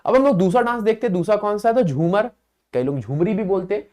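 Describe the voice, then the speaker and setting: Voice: medium pitch, lively intonation, darkish tone. Teacher who checks in with "है ना". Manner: explains step by step, often adds the tag "है ना"; lists place names one by one in a slow, stressed way. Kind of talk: exam-prep video lecture.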